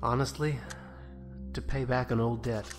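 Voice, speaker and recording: A woman's voice: extremely low pitch, steady tone, normal speed, over music. A woman playing an earnest, troubled young mage apprentice in an audio drama, hesitant and polite.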